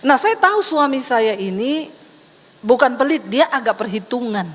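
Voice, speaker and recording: A woman pastor preaching an animated sermon, teasing the congregation with rhetorical questions. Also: a little high, normal speed, noisy background. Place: large church hall. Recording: long reverb of a large hall.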